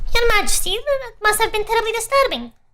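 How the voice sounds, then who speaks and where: In a squeaky, put-on character voice, a woman talks very fast at an extremely high pitch. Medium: virtual streamer. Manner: grave, deferential.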